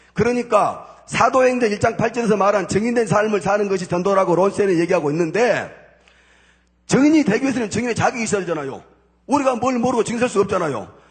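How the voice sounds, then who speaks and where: The speech is very fast, with ordinary pitch variation. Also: man, high pitch for a man. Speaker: church deacon, former gangster giving testimony. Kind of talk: sermon.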